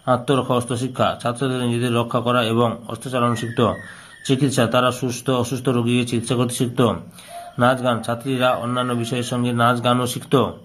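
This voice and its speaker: Flat-toned male tutor. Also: mid-range voice, fast talker, slight background noise. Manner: dictation-like, repeating answers and phrases. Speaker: history teacher solving an exam paper. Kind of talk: instructional reading of questions and answers.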